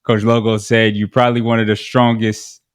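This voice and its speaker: A man's voice: fairly low pitch, little pitch movement, normal speed, clean tone. A man hosting a sports pregame show, chatty and informal, firing off follow-up questions. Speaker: sports radio host.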